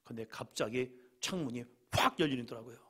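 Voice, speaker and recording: On a Friday evening, a male pastor delivers a sermon full of stories, acting out quoted lines and swinging between shouts and quiet asides. His voice is husky and medium-pitched, with a moderate pace.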